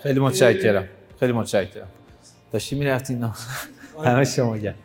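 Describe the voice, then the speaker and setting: A man's voice: medium pitch, darkish tone. Guy running a workshop in a big echoey hall, pushy and encouraging, music in the back. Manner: direct, coaxing, urges the audience on. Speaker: workshop trainer. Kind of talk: live workshop teaching. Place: hall with an audience.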